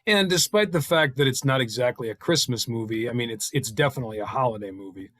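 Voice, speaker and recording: A middle-aged man talks casually on a video call. His voice sits at an ordinary pitch, and he often breaks off to find the next phrase. The sound is dry, with very little room around it. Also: expressive, fast, fairly bright tone, no echo. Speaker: table read participant. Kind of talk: casual chat.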